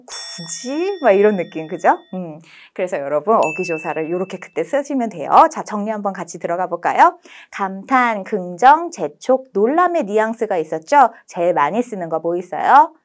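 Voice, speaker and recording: A woman's voice: mid-range voice, darkish tone. A woman teaching an online language lesson, talking in a playful, coaxing way and acting out little example lines.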